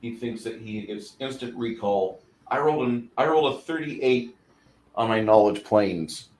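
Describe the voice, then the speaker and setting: A man's voice: medium pitch, moderate pace, a little mellow. A man from Illinois talking casually on a tabletop gaming podcast, rambling and conversational. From Illinois, USA. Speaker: podcast co-host.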